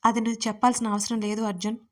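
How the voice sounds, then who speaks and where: A caring, outspoken young man in an audio story, read by a woman narrator. He presses his point plainly and directly. The voice is a little high and evenly level. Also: flat delivery, rapid-fire, close to an everyday voice. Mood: earnest.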